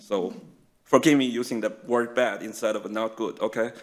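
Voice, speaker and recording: The recording is very clean, with a silent background. A man with a non-native accent talks at a moderate pace and medium pitch, with fairly even intonation. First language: not English. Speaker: resident giving public comment. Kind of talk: public comment at council meeting. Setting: city council meeting. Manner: halting, many fillers.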